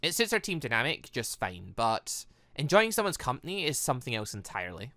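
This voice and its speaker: Visual novel villainess put on by a game commentator: low, haughty, teasing, seductive, dry close sound. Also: sing-song, pushed and bright, dry recording. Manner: haughty, slow-burning, teasing.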